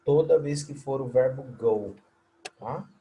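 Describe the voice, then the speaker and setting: Slow-paced Brazilian English teacher. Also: male voice, medium pitch, mellow, muffled recording, a little hiss or hum. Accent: Brazilian Portuguese. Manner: explains in Portuguese, models English sentences slowly; friendly, checks in with "tá?" and "guys". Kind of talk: recorded language lesson.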